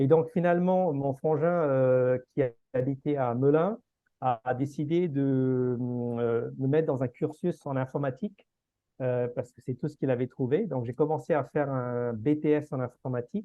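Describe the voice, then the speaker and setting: A man's fairly high voice in a Tamil accent, at a fairly slow pace with ordinary pitch variation. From India, Pondicherry (French school). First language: Tamil (speaking French). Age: 50s. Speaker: innovation researcher. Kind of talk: podcast interview. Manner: hesitant, many fillers.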